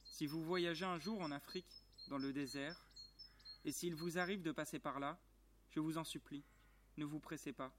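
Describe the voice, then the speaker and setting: A man reads a storybook aloud in a calm, measured and quietly moved voice that sits a little high for a man. He was recorded outdoors in a garden, with faint outdoor ambience and birdsong behind him. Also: a little hiss or hum. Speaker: reader.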